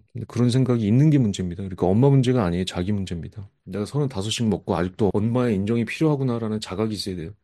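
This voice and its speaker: A man in his forties hosting a live stream, bluntly answering viewers' questions and mimicking them in a raised voice. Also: mellow. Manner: blunt, scolding, mimics viewers and parents in higher voice. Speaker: livestream advice host.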